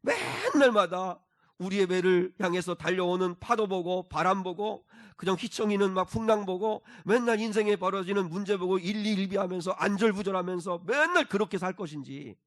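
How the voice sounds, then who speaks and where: A man preaching a sermon as pastor, moving between quiet asides and loud, emphatic exhortation, and leading the congregation in reading scripture. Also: sits high, lively intonation, normal speed.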